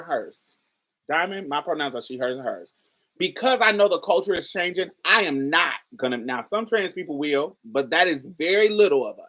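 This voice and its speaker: A woman with a particularly deep voice, hosting a casual commentary and talking straight to her viewers in an emphatic, chatty way. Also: fairly bright tone. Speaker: host.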